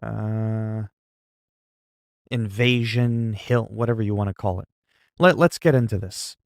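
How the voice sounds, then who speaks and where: Loud, profane mock-stern streamer man. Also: fairly low pitch, measured pace, gravelly, no room sound, clean studio sound. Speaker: livestream host. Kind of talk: casual livestream chat.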